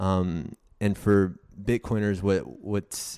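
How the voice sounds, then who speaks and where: A man's very deep, low voice has a dark, mellow tone and fairly even intonation. The recording is very clean, with a silent background. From Morocco. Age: 20s. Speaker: crypto asset analyst. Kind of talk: casual interview.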